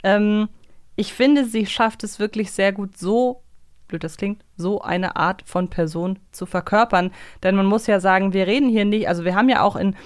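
A woman's voice: mid-range voice, steady tone, normal speed, smooth, no room sound. Young adult woman, podcast co-host, conversational, reflective, mid-range voice, dry recording. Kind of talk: casual fan podcast chat.

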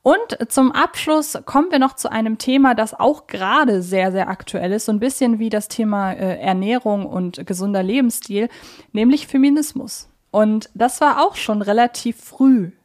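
A woman's voice: fairly high pitch, normal speed. A woman co-hosting a podcast, discussing things casually and conversationally with emphatic wording. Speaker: podcast co-host.

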